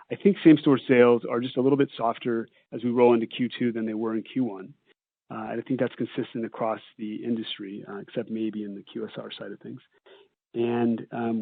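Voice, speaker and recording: A man speaking as a company executive, answering questions on an earnings call in a measured, halting way. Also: medium pitch, creaky. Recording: tinny phone line, roomy echo.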